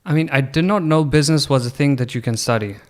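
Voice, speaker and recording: A man in his twenties from Pakistan, a podcast guest telling his story in a relaxed, reflective way. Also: medium pitch, quick pace. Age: 20s. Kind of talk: casual interview chat.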